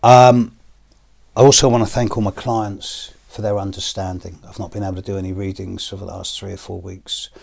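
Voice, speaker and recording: A hoarse British man with a deep, fairly low voice, speaking slowly and with a cough in a personal video. He is middle-aged and talks to his viewers in a measured way, with pauses and fillers. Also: level tone, a little mellow. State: hoarse and coughing after illness. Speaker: astrologer.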